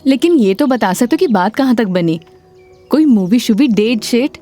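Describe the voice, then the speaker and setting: A woman's voice: fairly high pitch, expressive, normal speed, warm tone, soft background music, lightly acted. An actress playing a chatty, playful woman who asks curious questions.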